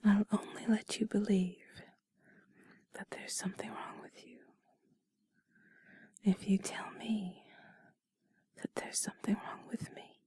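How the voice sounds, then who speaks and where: A woman doing an intimate whispered role-play in a soft, breathy, sultry and soothing voice, speaking slowly and deliberately, close to the mic. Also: mid-range voice, flat delivery, dry recording. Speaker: intimate audio narrator. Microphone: close mic, dry.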